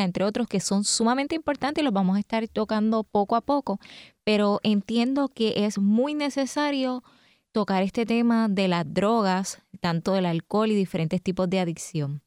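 A woman hosting a radio talk show from a studio, speaking in a measured, explanatory way. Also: mid-range voice, a little mellow, clear, resonant tone, no room sound. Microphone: studio microphone.

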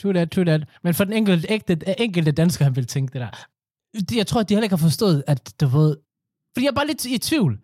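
A man in relaxed podcast chat, easygoing and chatty, dropping in English slang. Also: high-pitched, slightly rough, no echo, studio quality. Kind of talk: casual chat.

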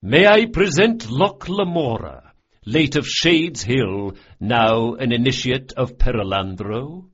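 A narrator voicing a wily middle-aged priest who runs a gang of young thieves, speaking deferentially, husky, on a dull lo-fi recording. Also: male voice, medium pitch, expressive, takes it slowly, a bit bright, full character voice. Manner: deferential, sly.

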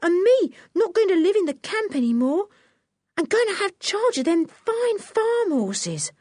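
A woman voicing an excitable working-class teenage circus boy who talks in rustic slang and bursts into eager exclamations. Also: very high-pitched, unhurried, no echo, studio quality, pitched above the performer's own voice, full character voice. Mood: marveling.

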